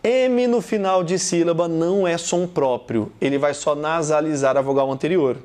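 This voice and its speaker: A man's voice: a little high, moderate pace, a little mellow. A man with a Brazilian Portuguese accent teaching a lesson, emphatic and repeating each point, acting out little example sentences. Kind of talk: classroom lesson.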